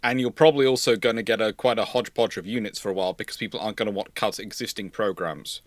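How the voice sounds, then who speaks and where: A man's voice: on the low side, quick pace, dry recording. A man hosting a casual, analytical history discussion, talking discursively and often rephrasing himself as he goes. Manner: discursive, repeats and rephrases phrases. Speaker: host of naval history livestream.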